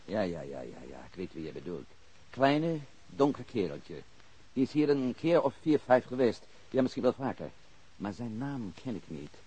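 An actor playing a guarded but cooperative Swiss-German immigrant car mechanic in a radio crime drama, speaking in short, simple sentences. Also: male voice, medium pitch, sing-song, normal speed, mellow, breathy edge, rough recording.

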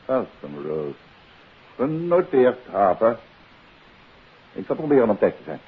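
A Dutch actor playing a composed, wry gentleman detective in a 1950s radio play, on an old recording. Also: lowish voice, sing-song, unhurried, husky, narrow, tinny audio, exaggerated voice. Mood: wry, unruffled.

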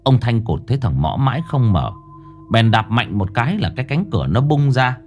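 A man reading a ghost story aloud in a dramatic, expressive way. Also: medium pitch, a little fast, faint music behind. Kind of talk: scripted horror story narration.

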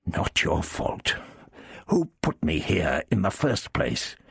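A man's voice: extremely low pitch, very animated, slow pace, vocal fry, a bit bright, breathy edge, no room sound, exaggerated voice. A man voicing a captive nobleman who answers in a dry, sarcastic way.

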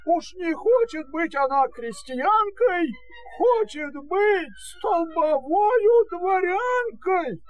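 Meek old fisherman in a fairy tale play, really high pleading voice, swoops around a lot. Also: animated, extremely slow, no room sound, faint music behind, heavily acted, rough recording. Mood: pleading, plaintive. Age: older. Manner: plaintive, singsong, deferential. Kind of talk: theatrical fairy-tale audio play acting.

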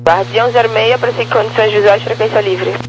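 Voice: mid-range voice, steady tone, fairly quick, music in the background. An air traffic controller giving clipped, procedural instructions over an aviation radio link. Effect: aviation radio transmission. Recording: humming, noisy aviation radio.

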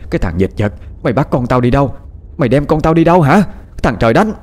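A man voicing an angry village mother who scolds and shouts. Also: mid-range voice, lively intonation, quick pace, pitched above the performer's own voice, close to an everyday voice. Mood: furious.

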